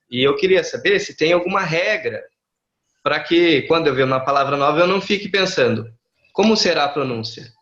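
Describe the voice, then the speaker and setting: A man's voice: sits high, a bit bright. A man, a student in an online class, asking his teacher a question hesitantly while thinking aloud, heard over a video call. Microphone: video call audio. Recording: echoey, dull call audio.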